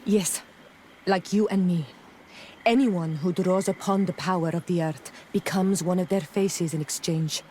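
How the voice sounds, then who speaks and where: An actress playing an earnest, proud young tribal guide in a video game, explaining things solemnly. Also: female voice, fairly low pitch, steady tone, unhurried, warm tone, slight background noise, natural voice, poor audio. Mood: solemn, guarded.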